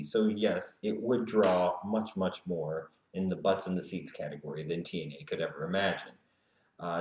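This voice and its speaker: A man hosts a casual Q&A, reading out viewer questions and cracking jokes with frequent laughter. His voice sits a little low. It rings with the echo of the room around him. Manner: joking, laughing, mocking. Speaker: host. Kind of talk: casual Q&A commentary.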